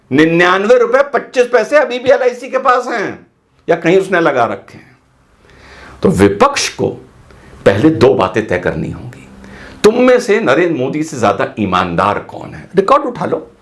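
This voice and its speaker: A man giving heated political commentary, combative and firing off rhetorical questions and rapid lists. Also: sits high, big pitch swings.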